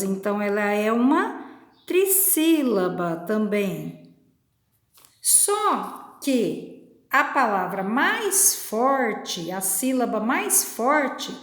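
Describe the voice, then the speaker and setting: A woman teacher from Brazil, slowly and patiently explaining a lesson to children step by step. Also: on the high side, reverberant. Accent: Brazilian Portuguese.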